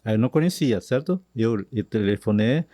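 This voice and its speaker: Man, Argentine accent, Spanish native speaker, mellow dark voice, dry close sound, missionary guest, storytelling. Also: medium pitch, dry recording. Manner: slow, animated retelling with Spanish words slipping in. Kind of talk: storytelling in a podcast interview.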